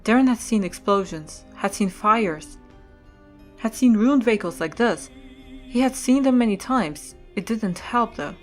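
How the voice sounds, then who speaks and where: A woman's voice: fairly high pitch, expressive, unhurried, faint music behind. A woman giving scripted narration for a dramatic audio story.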